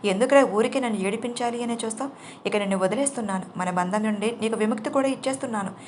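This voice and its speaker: A woman's voice: fairly high pitch, very fast, a little hiss or hum, close to an everyday voice. A woman voicing a proud, defiant young pregnant woman who answers tartly in a storybook reading. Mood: tearful. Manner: tart, defiant.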